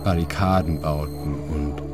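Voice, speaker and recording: A man with a very low voice reads a literary story in a calm, measured way, pausing between phrases. Loud music and sound design play under his voice throughout. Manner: calm, measured reading with pauses. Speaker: narrator. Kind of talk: scripted literary narration.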